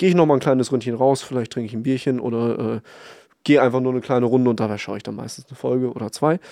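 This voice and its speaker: Speaking at a very fast pace, a man uses a medium pitch and fairly even intonation. His tone is dark and mellow, with big swings in loudness. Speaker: podcast co-host and business owner. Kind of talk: casual chat.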